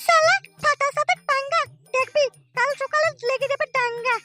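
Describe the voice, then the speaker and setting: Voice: extremely high pitch, normal speed, sharp tone. A performer voicing a cheeky, foul-mouthed boy prankster in a Bengali comedy cartoon, brash, boastful and taunting. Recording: music behind the voice.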